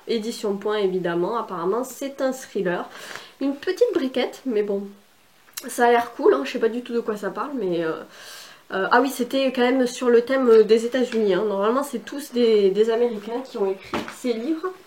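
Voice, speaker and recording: A woman's voice: on the high side, moderate pace, darkish tone, slight background noise. A woman book vlogger chatting casually and enthusiastically through an unboxing, with lots of fillers. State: has a cold.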